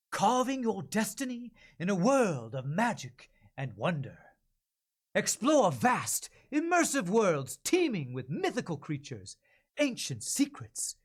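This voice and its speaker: Heroic fantasy game announcer, acted by a man, grand, pompous, excited, higher-pitched, dramatic swings. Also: exaggerated voice. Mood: excited, adventurous. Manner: pompous, sweeping, theatrical delivery. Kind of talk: dramatic video game trailer narration.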